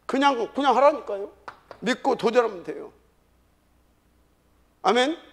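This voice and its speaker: A male pastor preaching a sermon in a high voice with a gravelly edge. He hammers his points home emphatically and then sinks into hushed, repeated phrases. The sound is that of a church service. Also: lively intonation, measured pace. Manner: emphatic preaching, sudden drops to whispered repetition. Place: church sanctuary.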